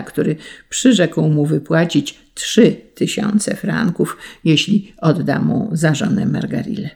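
A narrator reads a classic tale aloud in a measured, solemn way. The delivery is slow and unhurried, with a gravelly texture and a mid pitch. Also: darkish tone. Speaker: audiobook narrator.

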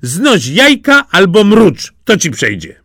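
A man's voice: sits high, wildly swooping pitch, slow pace, creaky, pushed and bright, no echo, studio quality, voice pushed up, full character voice. A man voicing a bossy, self-important female hen in a storybook, speaking in a haughty, scolding way.

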